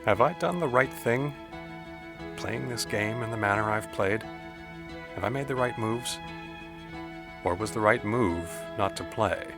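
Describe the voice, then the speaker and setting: An actor playing a dead man's trapped, anguished spirit who reads a letter in measured, formal diction in an audio drama. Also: lowish voice, gravelly. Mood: solemn, resigned. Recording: music under the voice.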